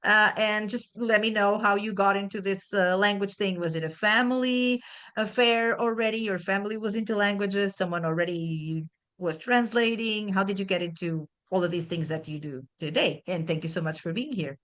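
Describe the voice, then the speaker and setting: A woman hosting a casual podcast interview. She asks her questions in a loose, conversational way and keeps up quick reactions while her guest talks. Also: mid-range voice, a bit bright. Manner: friendly, quick back-channel reactions. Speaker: podcast host.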